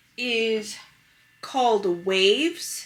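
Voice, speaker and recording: A woman speaks with a fairly high pitch. Noticeable background noise runs under her voice. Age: 20s. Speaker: lifestyle vlogger. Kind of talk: casual vlog talk to camera. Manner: casual, filler-heavy.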